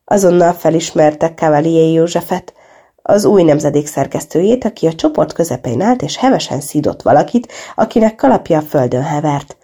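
A woman reading a humorous short story aloud, giving its quoted lines a lively, expressive voice. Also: low-pitched, slightly rough. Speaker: reader.

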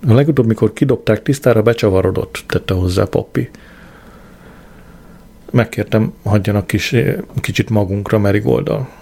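A man reading a first-person diary novel aloud as an audiobook, in a measured, dry way, giving small voices to the quoted lines. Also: lowish voice, creaky, dark tone. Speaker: audiobook narrator. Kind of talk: scripted first-person narration.

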